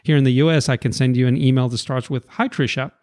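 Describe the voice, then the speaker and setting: A man's voice: mid-range voice, fairly even intonation, fast, darkish tone, no room sound, clean studio sound. Wry man from Israel in his forties. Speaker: guest, marketing executive. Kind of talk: podcast interview.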